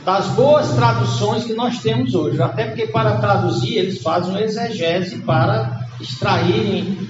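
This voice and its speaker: A Brazilian man preaching a sermon as pastor, with a cold that makes his voice congested, teaching in an unhurried way and stressing key words. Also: high-pitched, over a noisy crowd. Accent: Brazilian Portuguese. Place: church hall. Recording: echoey hall, dull lo-fi sound, noisy background.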